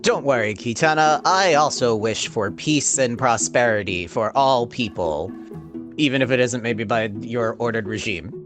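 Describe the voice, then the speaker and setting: A man's voice: mid-range voice, moderate pace. A man chatting casually as a player on a tabletop gaming podcast. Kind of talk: casual chat. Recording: clear music behind the voice. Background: music.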